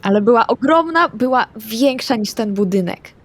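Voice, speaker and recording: A woman's voice: on the high side, animated, normal speed. A woman playing a tabletop role-playing game, casually speaking in character and describing her actions. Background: music.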